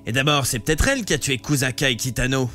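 A man voicing an aggressive, suspicious teenage boy, blunt and rough in manner. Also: medium pitch, fast talker, sharp tone, soft background music, close to an everyday voice.

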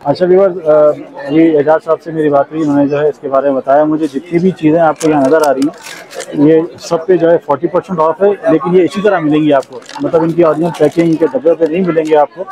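A man's voice: on the high side, steady tone, fast, rough recording. Chatty man vlogging through a busy expo. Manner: chatty, repeats questions back. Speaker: vlogger host. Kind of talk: walking expo vlog, interviewing vendors. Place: large indoor expo hall. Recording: busy crowd around.

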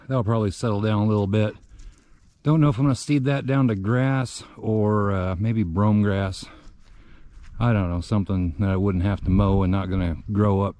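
With a lowish, mellow voice on a dry recording, this central Iowa farm shop owner and vlogger strolls his farmyard in winter, action camera in hand, and also inside a shop. He's middle-aged and offers a casual, meandering, down-to-earth update.

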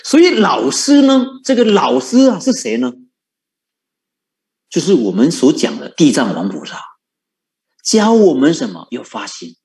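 A man preaches a Buddhist dharma talk as a monk teacher. His voice sits fairly high and swings widely in pitch. He leans on rhetorical questions, drawn-out particles and frequent chuckles. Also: huge pitch swings, a little mellow.

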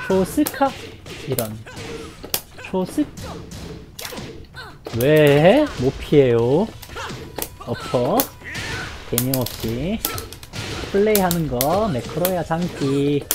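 A woman with a low, swinging voice narrates her fighting game match in real time. She talks at an unhurried pace but erupts into sudden shouts and laughter. Loud game music plays behind her. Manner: excitable, bursts into loud cries and laughter; reads viewer chat aloud. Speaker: streamer playing a fighting game. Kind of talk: live play-by-play of her own match.

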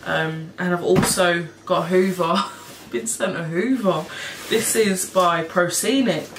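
This woman speaks at a slow pace, her pitch fairly low and her throat a bit hoarse and froggy. A cleaning vlogger, she chats and rambles casually at home, sometimes swearing or laughing, to a camera at table height. Her kitchen sounds echoey, with noise in the background.

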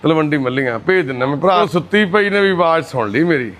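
A man chatting gently and reassuringly with residents of a shelter, greeting the women as mothers and sisters. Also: fairly high pitch, expressive, quick pace, a little hiss or hum. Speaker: charity volunteer visiting residents. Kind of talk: casual chat with care-home residents. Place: indoor shelter for destitute people.

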